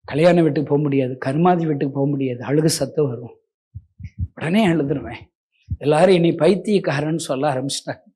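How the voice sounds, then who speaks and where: A middle-aged male preacher giving an emotional testimony sermon. He swings between loud pleading and hushed, near-tearful talk, and addresses his listeners respectfully and directly. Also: fairly high pitch, brisk, breathy edge.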